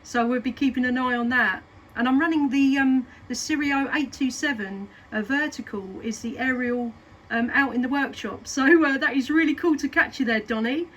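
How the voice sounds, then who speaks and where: A woman's voice: sits high, moderate pace, fairly bright tone, low-quality recording. A woman chatting casually as a CB radio operator. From southeast England. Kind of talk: casual radio contact chat. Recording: CB radio session with clear static noise. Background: radio static.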